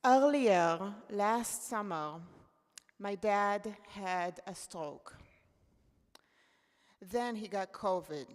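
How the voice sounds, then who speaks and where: A woman reads her own essay at an unhurried pace. Her pitch sits in the middle of the usual range, and her delivery stays measured and reflective. A long hall reverb trails behind her voice. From Israel. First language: Hebrew. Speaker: contributor reading at a poetry event. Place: event hall.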